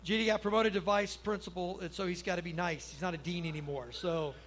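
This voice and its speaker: Middle aged pastor guy in church, high-ish voice, chatty storytelling sermon into a prayer. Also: steady tone, brisk, fairly bright tone, slight background noise, rough recording. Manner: storytelling, folksy, asks the crowd for agreement.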